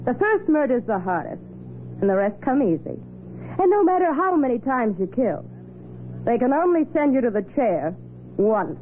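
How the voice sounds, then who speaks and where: A woman's voice: fairly high pitch, big pitch swings, moderate pace. An actress playing a young, hard, icy female crime boss with a sneering, tough way of talking, in 1940s radio style. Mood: cold scheming. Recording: scratchy, tinny 1940s radio recording.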